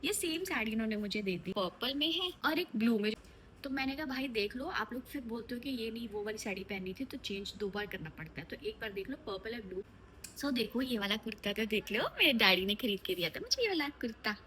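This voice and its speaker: A woman's voice: a little high, expressive, brisk, sharp tone, slight background noise. A young woman vlogging casually to her viewers, chatty and affectionate as she goes through her day on the way to a shoot. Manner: chatty, talks to viewers as "lovelies". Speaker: vlogger and actor. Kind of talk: casual vlog chat to camera. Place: home, then a film set dressing room.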